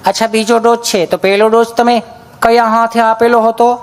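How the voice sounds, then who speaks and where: A man's voice: very high-pitched, flat delivery, normal speed, smooth. A man voicing a polite young female nurse who asks sweet, coaxing questions in a comic sketch.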